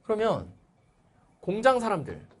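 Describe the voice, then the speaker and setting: An animated male teacher whose fairly high voice rises and falls a lot as he explains. He walks through a story passage in an exam-prep lecture, asking his students over and over whether they follow. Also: measured pace, husky. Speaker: Korean-language teacher.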